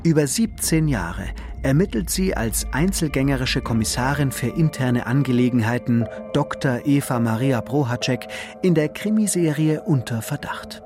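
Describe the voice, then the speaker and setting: A man narrating a television portrait in a measured, literary way. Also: medium pitch, music in the background. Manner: measured, expressive, literary phrasing. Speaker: documentary narrator. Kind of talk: scripted narration.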